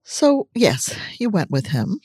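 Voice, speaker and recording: A woman hosting an interview podcast, eager and laughing along with her guest. Her pitch swings widely as she reacts. The recording is close and dry. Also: big pitch swings, takes it slowly, husky, dry recording. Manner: warmly enthusiastic, laughing often. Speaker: podcast host.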